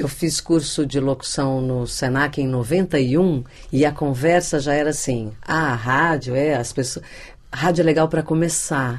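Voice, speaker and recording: A woman speaks at a fairly slow pace with fairly even intonation and a very deep, low pitch. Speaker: voice-over artist and radio announcer. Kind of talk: interview.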